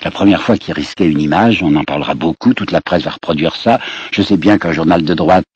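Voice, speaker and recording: A man's voice: low-pitched, a little fast, darkish tone, breathy edge, no echo. A man giving a spoken history lecture, telling the story to his listeners, addressing them directly and repeating words as he searches. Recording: dull lo-fi old radio recording.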